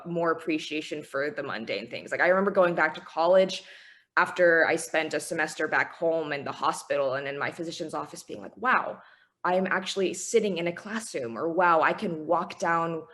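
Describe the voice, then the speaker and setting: Woman, twenties, Chinese first language, deep-pitched, thoughtful guest. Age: 20s. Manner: earnest, reflective, with small laughs. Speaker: guest author. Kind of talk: interview conversation.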